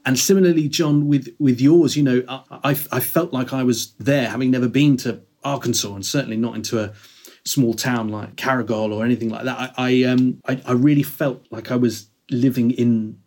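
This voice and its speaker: A man hosting an interview from his flat, chatty and enthusiastic, often laughing. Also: mid-range voice, a little fast. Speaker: host. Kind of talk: casual interview chat. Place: flat in London.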